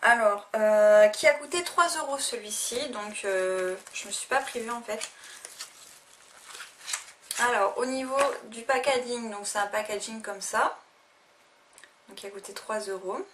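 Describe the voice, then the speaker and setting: A woman's voice: on the high side, unhurried, long pauses. A young woman casually reviewing makeup she bought, talking hesitantly with many fillers and restarts. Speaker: beauty vlogger. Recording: faint noise, a little distant from the mic.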